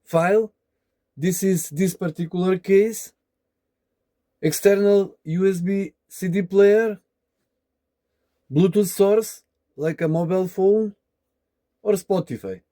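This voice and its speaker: A man presents a hands-on tech demonstration in a very soft-edged, dark voice that sits fairly high for a male. He speaks slowly, with deliberate and halting phrasing, as music plays behind him. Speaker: presenter demonstrating a DIY electronics project. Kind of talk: scripted tutorial narration.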